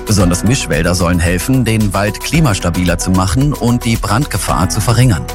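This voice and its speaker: A man presenting a regional radio news update with steady reading. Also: sits low, brisk. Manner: steady reading over music. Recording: over loud background music.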